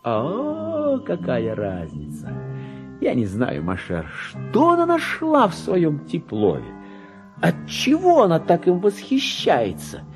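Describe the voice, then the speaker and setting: A man's voice: a little high, wildly swooping pitch, over music, full character voice. A man voicing a gossipy, affected little female pet dog in a theatrical, chatty reading of a classic story. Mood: haughty, admiring. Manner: chatty, mannered, exclamatory, drawn-out emphasis.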